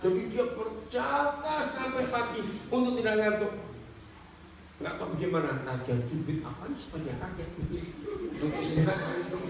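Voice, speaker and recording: Animated high-voiced male preacher, echoey hall. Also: moderate pace. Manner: animated, questions the congregation directly. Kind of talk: sermon. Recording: echoey hall from far off with faint noise.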